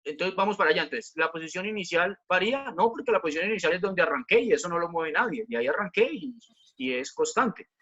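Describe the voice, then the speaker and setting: A man's voice: sits high, expressive, quick pace, bright, forceful tone, muffled recording. A man teaching a physics class online, explaining step by step, repeating key points and asking the students questions.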